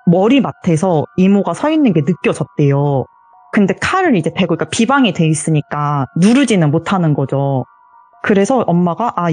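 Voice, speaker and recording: A young woman calls in to an interview show to tell her own ghost story, earnestly, acting out lines as she quotes other people. Her voice is lowish and a little mellow, heard over a voice call with faint music behind it.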